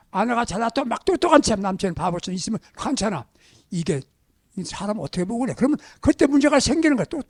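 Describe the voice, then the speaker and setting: A male pastor delivers a sermon with a high, animated voice that rises and falls widely. He presses his points emphatically, then drops to soft, hushed near-whispers. The sound is dry and close, with no room echo. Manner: emphatic preaching, swings between loud exhortation and hushed near-whispers.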